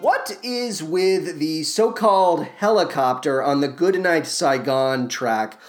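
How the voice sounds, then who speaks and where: A man's voice: a little high, slow, soft background music. A male podcast host ranting sarcastically and with exasperation in a comedic review monologue. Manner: sarcastic, exasperated rants with mock voices.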